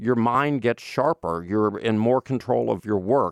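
In an American accent, a man talks at a fairly low pitch with ordinary pitch variation and an ordinary speaking voice, the sound dry and close with no echo over a quiet background. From US South, Atlanta, Georgia. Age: 60s. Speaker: author and journalist. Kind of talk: interview.

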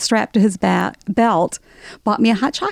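A woman with a Southern US accent speaks at medium pitch, the sound dry and close with no echo. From Alabama, US South. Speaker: author. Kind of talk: casual chat.

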